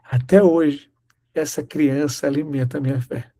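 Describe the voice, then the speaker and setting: A man's voice: on the high side, fairly even intonation, normal speed, warm tone. A man preaching a sermon, telling a personal story and acting out the dialogue. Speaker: Bible teacher.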